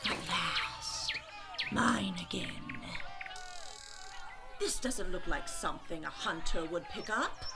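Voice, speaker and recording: A woman's voice: lowish voice, animated, slow pace, gravelly, long pauses, over loud music, exaggerated voice. A woman playing a villainous older village elder and secret witch in an audio drama, speaking in formal, theatrical, menacing oratory. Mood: sneering.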